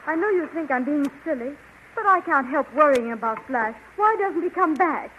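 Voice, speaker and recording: Brave young heroine, high earnest voice, pleading, old dull radio hiss. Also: female voice, lively intonation, moderate pace. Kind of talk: 1930s radio drama acting. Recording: dull, hissy 1930s radio transcription.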